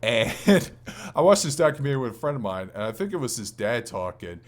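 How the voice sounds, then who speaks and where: A man co-hosting a podcast, chatting casually about video games in a rambling, halting way that often restarts. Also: medium pitch, sing-song. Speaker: podcast co-host.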